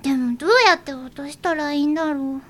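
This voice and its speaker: A woman's voice: high voice, steady tone, fast, fairly bright tone, pitched below the performer's own voice. A woman doing a shy lovestruck schoolgirl. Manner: timid, hesitant.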